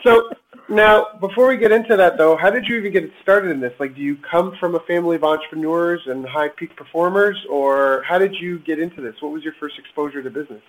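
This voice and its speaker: A man's voice: fairly high pitch, rough recording. A man hosting a podcast, upbeat and eager as he introduces and questions his guest. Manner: upbeat, eager and quick-talking. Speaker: podcast host. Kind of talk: podcast interview and promo outro.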